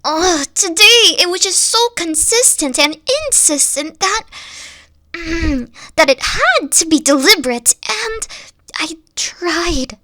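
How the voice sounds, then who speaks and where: A woman voicing a gentle, insecure young three-tailed kitsune girlfriend in an ASMR roleplay, speaking softly with frequent whispers and sighs. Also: very high-pitched, lively intonation, takes it slowly, dry recording, exaggerated voice. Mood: hurt, frustrated. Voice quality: soft, whispery, sighing. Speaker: team lead.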